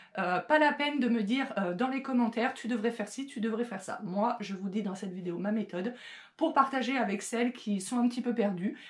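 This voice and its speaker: A woman at a fairly quick pace, fairly high in pitch with ordinary pitch variation, over noticeable background noise. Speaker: childminder and vlogger. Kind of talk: tutorial. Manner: fast.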